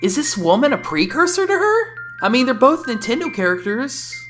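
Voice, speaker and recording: A woman's voice: high voice, big pitch swings, normal speed, a bit bright. A woman giving casual, sarcastic reaction commentary as a video game reviewer, often exclamatory. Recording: voice-over with faint game music.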